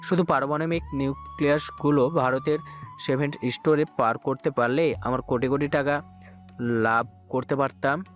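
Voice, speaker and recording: A man's voice: medium pitch, fairly even intonation, moderate pace, faint music behind, natural voice. An actor playing a wealthy middle-aged male crime boss and father, speaking through clenched anger. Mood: angry. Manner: angry, clenched.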